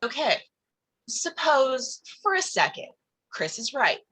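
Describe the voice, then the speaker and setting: A woman acts out a blunt, skeptical teenage girl in a horror comedy. She is husky and sharp-toned, unhurried in her sarcasm. The sound is close and dry. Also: sits high, very animated, no echo, heavily acted. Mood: exasperated. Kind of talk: table read of a horror comedy film script.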